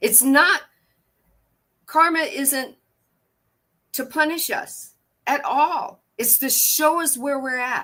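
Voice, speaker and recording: Raising and projecting her voice, a woman speaks very slowly with long, frequent pauses, her pitch high and varying in an ordinary way, her tone bright and sharp. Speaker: spiritual podcast host. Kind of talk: spiritual podcast monologue. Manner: halting, repeats words.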